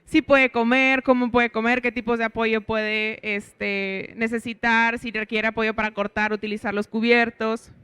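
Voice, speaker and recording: A woman with a Mexican accent leading a workshop, explaining clearly and drawing points from a participant's story. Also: a little high, level tone, a little slow, hardly any pauses, fairly bright tone, no echo. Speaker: workshop presenter. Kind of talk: presenting to a workshop.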